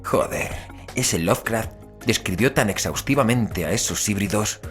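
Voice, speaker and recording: An actor playing a jittery, irreverent young investigator who grumbles expressively in an audio drama. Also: male voice, fairly low pitch, expressive, moderate pace, soft background music, close to an everyday voice. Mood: uneasy musing.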